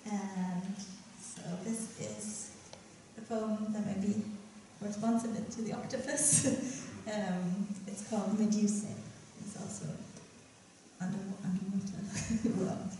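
Young woman poet, very mellow voice, reading at a stand mic, roomy echoing hall, a little distant. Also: mid-range voice, fairly even intonation, a little hiss or hum. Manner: soft-spoken and giggly between poems, measured when reading. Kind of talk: poetry reading. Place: dark stage at a festival event. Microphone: stand mic at a lectern.

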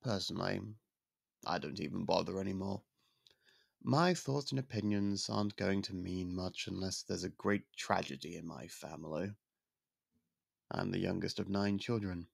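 A man playing a gravelly-voiced courtly young prince. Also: deep voice, moderate pace, dry recording, studio quality, heavily acted. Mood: courteous. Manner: polite, formal, soft-spoken courtship talk. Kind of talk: ASMR roleplay.

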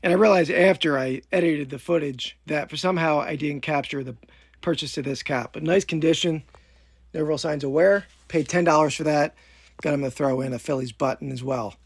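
A middle-aged man, a reseller, casually recapping his flea market finds in a relaxed, plainspoken way. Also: a little high, brisk, breathy edge.

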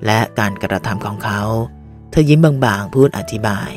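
A man narrating an audiobook in a measured, even, scripted reading. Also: lowish voice. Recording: long reverb with faint music.

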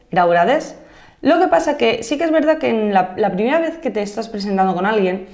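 A woman of thirty from Madrid with a Castilian Spanish accent, teaching a Japanese lesson on video. She explains each point clearly, slowing down to model phrases and checking in with "¿vale?". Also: a little high, darkish tone. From Spain (Madrid). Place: indoor room against a plain white backdrop.

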